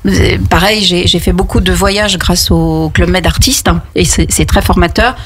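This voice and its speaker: A woman's voice: on the low side, fairly even intonation, moderate pace, slight background noise. A middle-aged woman, a singer and songwriter, talking in a radio interview with many fillers and restarts. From France. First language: Italian. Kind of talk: radio interview, personal anecdotes. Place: radio studio.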